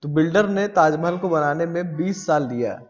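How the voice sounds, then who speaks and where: A man teaching English grammar in a classroom style. He reads English lines slowly, explains them in Hindi, and asks questions that he answers himself. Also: a little high. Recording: dull lo-fi audio with long reverb.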